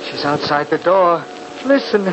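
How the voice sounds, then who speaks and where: A man's voice: fairly high pitch, lively intonation, measured pace. An actor playing a terrified man hearing his dead sister, frantic and pleading, in an old radio drama. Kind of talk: 1940s radio acting. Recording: old radio recording with hiss.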